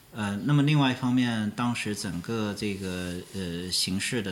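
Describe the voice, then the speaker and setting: At a moderate pace, a man is speaking. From China, Nanjing. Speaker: architecture professor. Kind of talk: interview conversation. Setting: recorded in a historic house. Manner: hesitant, many fillers.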